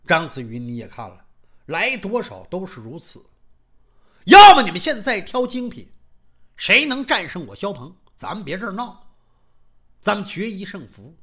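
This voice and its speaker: A woman's voice: mid-range voice, big pitch swings, moderate pace, long pauses, a bit bright. A woman storyteller voicing a brash, impatient young male martial hero who talks bluntly and stammers when startled. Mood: challenging.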